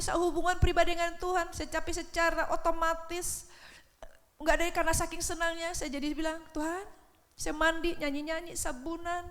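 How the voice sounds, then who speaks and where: A middle-aged woman preaching a sermon in a church, swinging between hushed whispers and shouts. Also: very high-pitched, in a large hall.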